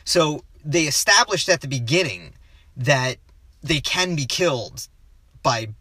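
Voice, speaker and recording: A man co-hosting a relaxed film discussion in a bright, forceful voice. He wanders, starts sentences over and trails off mid-thought. The sound is dry and close, with almost no room in it. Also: fairly high pitch, a little slow, breathy edge, no room sound. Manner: rambling, stops himself often and trails off.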